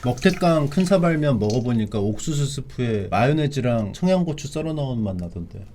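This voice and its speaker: A man's voice: mid-range voice, animated, brisk, warm tone, slight background noise. A man hosting a casual food-tasting livestream, talking to viewers in an opinionated, playfully argumentative way. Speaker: livestream host reviewing snacks. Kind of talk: casual mukbang livestream chat.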